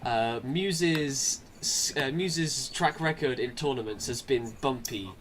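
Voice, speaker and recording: Brief: mid-pitched male stream host, dry and even, fielding audience questions over faint hiss. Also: slow pace. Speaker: host reading viewer questions. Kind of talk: casual live-stream chat.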